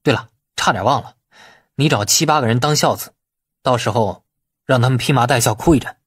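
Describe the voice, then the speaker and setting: A man voicing a shrewd, bossy man who gives orders in a brisk, casual, persuasive way in an audiobook. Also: medium pitch, husky, no echo, studio quality, close to an everyday voice.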